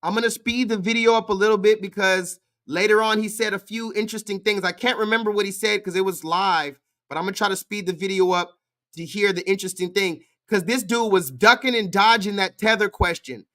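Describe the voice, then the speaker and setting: A man's voice: high voice, fairly even intonation, brisk, pushed and bright. Sarcastic male livestream commentator. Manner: sarcastic, incredulous, repeats points for emphasis. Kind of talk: casual reaction commentary on a video.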